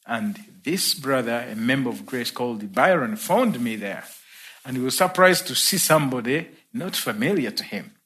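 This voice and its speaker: A man's voice: mid-range voice, expressive, moderate pace. A man from Uganda with a Ugandan accent, telling his own conversion story in a sermon with easy laughter. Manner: warm storytelling, laughs between points. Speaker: preacher. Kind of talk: sermon testimony. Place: church.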